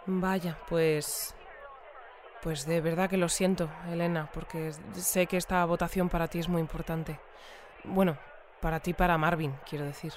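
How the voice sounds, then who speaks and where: An actress playing a courteous, sympathetic radio news presenter in an audio drama, with a Castilian Spanish accent and a conversational manner. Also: female voice, fairly low pitch, fairly even intonation, normal speed, darkish tone, lightly acted. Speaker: news bulletin host. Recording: clear background noise and ambience.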